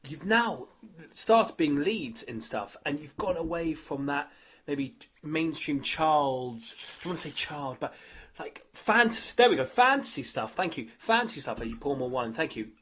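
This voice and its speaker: A man's voice: a little high, moderate pace, husky. A man hosting a casual podcast chat. His voice climbs and dips all over the place as he jumps between thoughts, and he swears freely as he pushes his guest with questions. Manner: lively, swearing, restless interviewer. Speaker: podcast host.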